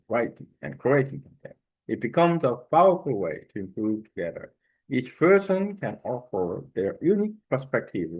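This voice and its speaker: Low-voiced man with a Korean accent. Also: darkish tone, husky, rough recording. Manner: careful, halting delivery with filler pauses. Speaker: language learner sharing a study method. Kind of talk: reading a prepared text aloud.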